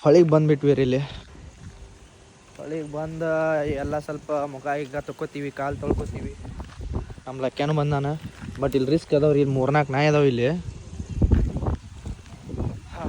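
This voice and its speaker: A man's voice: a little high, flat delivery, normal speed, long pauses, noisy background. A man with a North Karnataka accent chatting casually and informally to viewers as a vlogger, dropping in English phrases. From Karnataka, India. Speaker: YouTube vlogger. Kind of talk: casual vlog chat to viewers.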